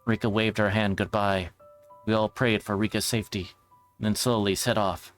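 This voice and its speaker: A man's voice: on the low side, flat delivery, normal speed, soft background music. A man reading a visual novel aloud as a livestreamer, now and then stumbling and rereading. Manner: stumbles over words and rereads them.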